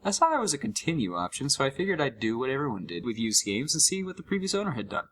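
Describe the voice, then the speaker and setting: Man playing a wry gamer with lively, swinging intonation. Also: medium pitch, quick pace. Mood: curious. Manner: wry, conversational storytelling. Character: sarcastic, curious young male gamer recounting a creepy found game. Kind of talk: first-person horror story narration.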